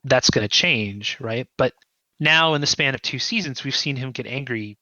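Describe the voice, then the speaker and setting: Bright-voiced man, dry recording. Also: medium pitch, normal speed, no echo, highs cut off. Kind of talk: reflective interview discussion.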